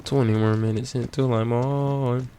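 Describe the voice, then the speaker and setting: A man giving casual, colloquial let's play commentary in a gravelly voice, talking to himself. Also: medium pitch, fairly even intonation, a little slow, dark tone, slight background noise. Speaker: gaming content creator.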